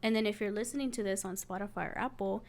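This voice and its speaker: A woman's voice: medium pitch, fast talker, darkish tone. A young woman with a Latina American English accent, co-hosting a podcast in casual, candid chat, swearing freely and using many fillers. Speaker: podcast co-host.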